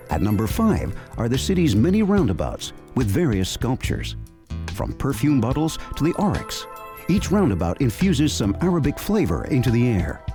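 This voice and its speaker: A man giving polished, scripted documentary narration as a program narrator. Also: mid-range voice. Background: music bed.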